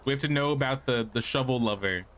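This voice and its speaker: A man's voice: mid-range voice, fast talker, a bit bright, slight background noise. A man giving casual, rambling gameplay commentary as a streamer, thinking aloud as he goes. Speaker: game streamer. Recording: game music behind. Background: game music.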